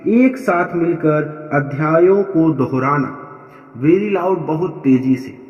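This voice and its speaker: A male English teacher with an Indian accent, explaining a textbook line by line, reading each English phrase slowly and then explaining it in Hindi. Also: mid-range voice. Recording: dull lo-fi sound in an echoey room with long reverb.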